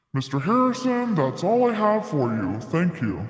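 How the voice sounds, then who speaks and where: A man's put-on character voice, high-pitched with very wide pitch swings and a slight echo. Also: moderate pace. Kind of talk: formal courtroom.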